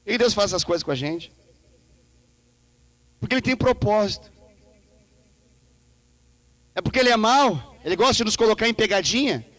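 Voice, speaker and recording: A male Brazilian pastor delivers an animated, playful sermon, acting out conversations in changing voices. His voice sits high and leaps through a wide, lively range. The sound is close and dry, with no room echo. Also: moderate pace, pauses often. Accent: Brazilian Portuguese. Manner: animated, acts out dialogues with God in shifting voices; playful, joking and laughing with the congregation. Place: church service.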